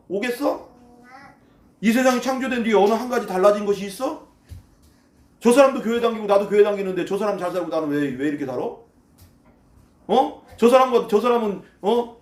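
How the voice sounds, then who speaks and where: A man's voice: high voice, brisk, close to an everyday voice. A man voicing a sarcastic scoffer who taunts believers with mocking questions. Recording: echoey church hall.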